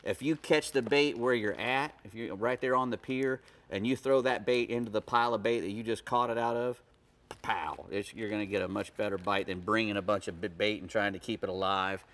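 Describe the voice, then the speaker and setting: A man's voice: fairly low pitch, steady tone, a little fast, a bit bright. A middle-aged man giving fishing tips in a casual studio chat, folksy and rambling with frequent restarts. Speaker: fishing guest expert. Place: TV studio set.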